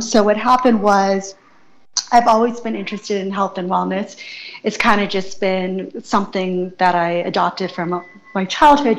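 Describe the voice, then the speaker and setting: Woman guest over a phone line, casual chatty storyteller, muffled sound with faint background noise. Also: medium pitch. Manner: casual storytelling with many fillers. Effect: over a phone line, on speakerphone. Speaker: guest chef and wellness consultant. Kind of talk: phone-in radio interview.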